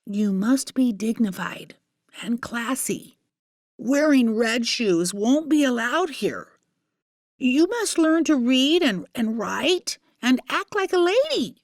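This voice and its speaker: Woman acting a high-voiced, prim old lady. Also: very animated, takes it slowly, no echo, clean studio sound, heavily acted. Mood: stern. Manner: prim, scolding, commanding. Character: stern, proper old lady guardian.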